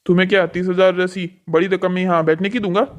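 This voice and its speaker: Bossy hotel boss played by a man, fairly high-pitched. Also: little pitch movement, fast, muffled recording, natural voice. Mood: stern, bossy. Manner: bossy, commanding. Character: stern, exploitative hotel boss, an adult man. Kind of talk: scripted cartoon story dialogue.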